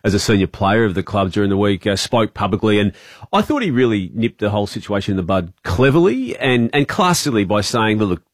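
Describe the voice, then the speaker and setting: A man's voice: on the low side, big pitch swings, fairly quick, dry recording, clean studio sound. An Australian man co-hosting a radio chat, blunt in banter and analytical about football. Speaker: radio co-host.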